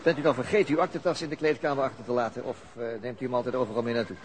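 Man playing a brisk, terse detective, noisy backdrop. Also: mid-range voice, steady tone, natural voice. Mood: polite, hesitant. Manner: terse, probing, dry. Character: dogged, reserved Swedish police detective abroad. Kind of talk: Dutch radio play acting. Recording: radio play with clear background noise.

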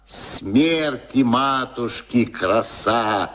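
A man's voice: medium pitch, extremely slow, fairly bright tone. A man narrating a folk tale in rhythmic, theatrical verse as a radio-play storyteller.

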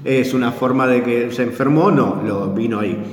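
A man from South America hosting a radio talk show, explaining things in a hesitant way with many pauses and fillers. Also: mid-range voice. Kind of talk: casual explanatory radio chat. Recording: echoey room with long reverb.

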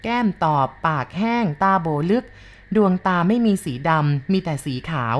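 A middle-aged woman with a fairly low voice tells a ghost story. She speaks to her listeners politely, slow and measured, building the eerie scene step by step. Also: lively intonation.

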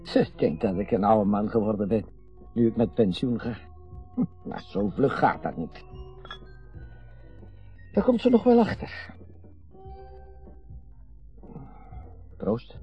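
An actor in his sixties playing a garrulous, meddling, wistful retired father in a radio play, rambling and halting, with sudden emphasis. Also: fairly low pitch, sing-song, dull audio, soft background music. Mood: jovial, defiant. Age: 60s. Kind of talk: naturalistic radio drama acting.

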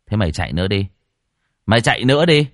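A man voicing a brash, rough-talking young ghost exorcist who taunts and threatens. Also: low-pitched, very animated, moderate pace, no room sound, studio quality, pitched below the performer's own voice. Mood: mocking taunt. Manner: taunting, swaggering, rough-spoken.

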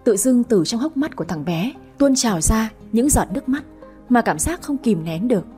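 Woman reading a love story, fairly high mellow voice, does all the dialogue herself, soft music behind. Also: animated, moderate pace. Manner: reads every character herself, shifting tone for dialogue. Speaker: narrator.

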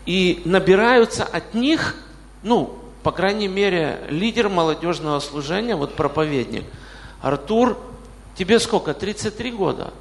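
A man's voice: sits high, animated, a little slow. A man in his late forties preaching a sermon in a church, often putting questions straight to the congregation. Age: 40s. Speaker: pastor. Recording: reverberant hall.

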